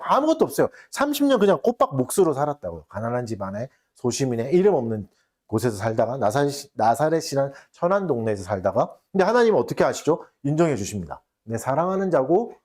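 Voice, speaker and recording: A man's voice: on the high side, darkish tone. A male pastor preaching a sermon, asking the congregation rhetorical questions and acting out quoted taunts.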